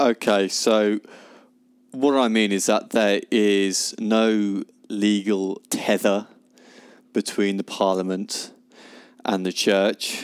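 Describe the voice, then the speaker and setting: A man with an English accent speaks at a very slow pace with long, frequent pauses. His fairly low voice is monotone and flat, with very even loudness. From England. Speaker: podcast host. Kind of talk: casual discussion.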